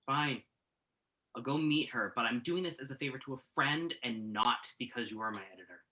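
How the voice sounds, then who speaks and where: A man's voice: mid-range voice, brisk, sharp tone, lightly acted. A man playing an exasperated, principled young journalist in a staged play reading, protesting with wry sarcasm in natural dialogue. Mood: reluctant.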